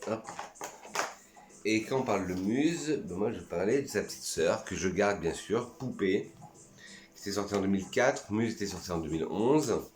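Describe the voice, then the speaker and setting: A man's voice: fairly low pitch, expressive, moderate pace, darkish tone, echoey room. A man from France chatting casually and enthusiastically in a vlog, reviewing his perfumes and sometimes talking to himself. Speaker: perfume YouTuber.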